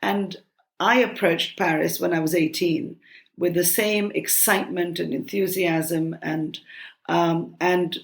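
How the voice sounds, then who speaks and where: A woman's voice: fairly low pitch, steady tone, slow, vocal fry. A British-raised woman in her sixties, a cookbook author talking from home over a call, hesitant with many ums and restarts. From United Kingdom. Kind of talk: relaxed conversational interview. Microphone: remote call from home.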